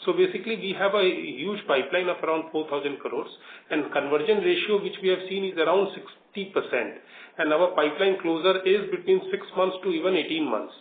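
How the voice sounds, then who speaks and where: Indian company executive on a roomy phone line. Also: male voice, fairly high pitch, brisk. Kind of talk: answering questions on an earnings call. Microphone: conference call phone. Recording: roomy, noisy narrowband conference phone line.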